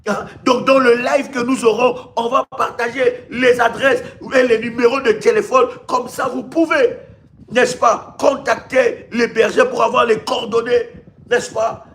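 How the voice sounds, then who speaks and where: With an extremely high, slightly bright voice and fairly even intonation, a Congolese pastor and ministry leader preaches a little slowly on a live stream. He repeats himself emphatically, asks rhetorical questions and stammers through restarts to drive points home. There's faint background noise.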